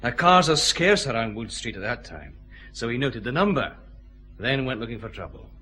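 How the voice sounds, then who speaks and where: An actor playing a firm, methodical police chief inspector, questioning a suspect in a vintage radio drama. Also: male voice, mid-range voice, very animated, bright, forceful tone, slight background noise. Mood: stern. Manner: brisk, methodical, dry authority.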